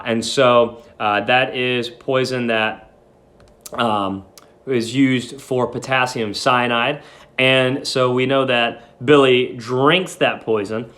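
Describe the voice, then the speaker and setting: A man's voice: mid-range voice, fairly bright tone. A man speaking as a teacher, reading a story aloud and explaining it informally.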